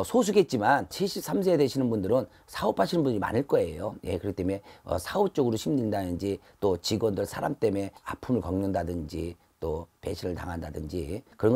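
A middle-aged man reads fortunes to camera in a steady, advisory way, pausing often on fillers. His voice is husky and dark, warm rather than bright. It is picked up close on a lapel mic indoors. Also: lowish voice. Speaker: shaman fortune teller. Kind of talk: fortune reading talk to camera. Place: shrine room with altar, indoors.

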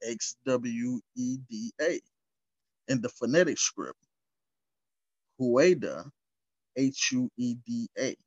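A man hosting a history channel, reading source texts aloud and explaining them, slow and deliberate, stumbling over long words and adding casual asides. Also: mid-range voice, darkish tone, no echo. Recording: dull lo-fi recording.

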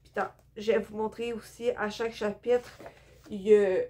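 A warm, mid-range voice at normal speed and fairly even intonation belongs to a young Québécoise woman doing a casual book haul vlog. Speaking with a Québécois French accent from an indoor room with bookshelves, she seems somewhat tired and hesitant, with many fillers.

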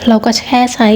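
Woman doing a tarot reading, chatty and gentle, kinda dark mellow voice, faint room hum behind. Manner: chatty, repeats words and restarts often. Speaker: tarot reader. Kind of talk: casual tarot reading talk.

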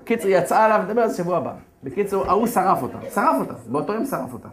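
Animated, jokey man giving a religious talk. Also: sits high. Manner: animated, slangy, jokey storytelling. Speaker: religious lecturer. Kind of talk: lively comic Torah talk.

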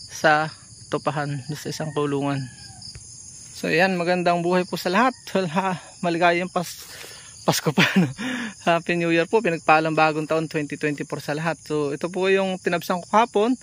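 A man's voice: a little high, a bit bright. A man chatting instructively to viewers in a casual farm vlog, recorded outdoors on a handheld phone. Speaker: farmer and vlogger. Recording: outdoor recording with clear insect and ambient noise. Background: insects and outdoor ambience.

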